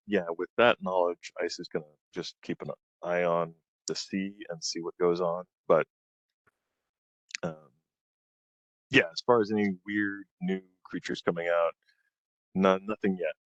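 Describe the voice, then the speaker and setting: A man running a tabletop game as game master, relaxed and full of ums. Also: low-pitched, no echo, highs cut off.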